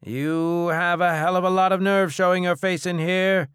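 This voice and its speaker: A man voicing a gruff, suspicious alien bartender who bellows bluntly in an audiobook. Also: sits high, expressive, unhurried, a bit bright, dry recording, studio quality, voice pushed up. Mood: suspicious bellowing.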